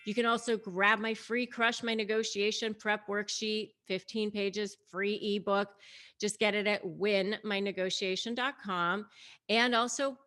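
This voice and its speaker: A woman's voice: medium pitch, steady tone, measured pace, pushed and bright, slight background noise. A woman speaking as an online coach, explaining and advising in a conversational, emphatic way straight to her viewers. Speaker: online negotiation coach and host. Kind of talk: explanatory video talk to camera, retelling and advising.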